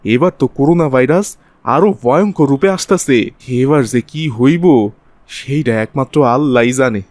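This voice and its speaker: A man's voice: medium pitch, measured pace, a little mellow, no echo, close to an everyday voice. A man playing a scheming city profiteer in a cartoon, with a Bangladeshi accent and a wheedling, colloquial, exaggerated way of talking. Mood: ominous warning. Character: scheming city man, sly profiteer spreading virus panic. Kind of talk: Bengali cartoon voice acting.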